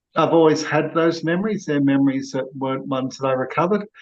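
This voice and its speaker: Speaking with an Australian accent, a man keeps a fairly high pitch and fairly even intonation. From Australia, Sydney. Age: 60s. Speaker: abuse survivor. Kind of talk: interview testimony; casual chat.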